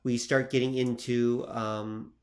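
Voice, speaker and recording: Male podcast co-host, mid-pitched, casual explainer who steers the conversation. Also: level tone, slow pace. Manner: steers the talk, explains with asides.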